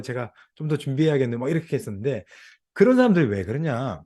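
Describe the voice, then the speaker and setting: A man's voice: mid-range voice, darkish tone. A middle-aged man giving a lecture to counselors, conversational and often checking in with the audience with questions.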